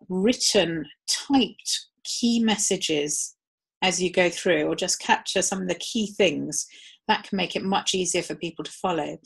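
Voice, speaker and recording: A woman's voice: on the low side, fairly bright tone, breathy edge. A woman giving a live webinar talk in a conversational way, with frequent ums. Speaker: webinar presenter.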